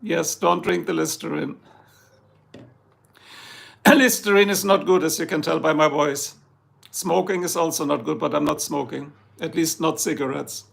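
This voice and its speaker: A hoarse middle-aged man with a German accent, his voice heavily gravelly and a touch higher than most men's. He rambles and jokes with his livestream viewers in a loose, chatty way. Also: steady tone, moderate pace, long pauses, fairly bright tone. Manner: joking, chatty, reads out viewer comments. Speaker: livestream host. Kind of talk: rambling casual chat with viewers.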